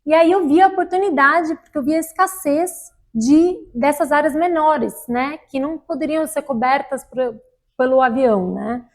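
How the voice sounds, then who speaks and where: Soft-spoken woman engineer. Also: high-pitched, moderate pace. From Germany, raised in Brazil. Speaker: guest, electrical engineer. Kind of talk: casual interview talk.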